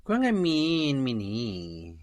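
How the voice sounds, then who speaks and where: A low, murmuring gay man. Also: wildly swooping pitch, extremely slow, darkish tone, dry recording, full character voice. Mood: dismissive. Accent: Filipino. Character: gay man, official keeping the list. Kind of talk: comedic radio drama acting.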